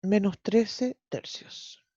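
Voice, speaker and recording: Chilean accent, math teacher, mellow tone, dry close sound, online lesson, keeps checking understanding. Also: mid-range voice, extremely slow, dry recording. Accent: Chilean Spanish. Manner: explains step by step, often checks with "¿cierto?". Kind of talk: online class lecture. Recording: dull lo-fi online class audio.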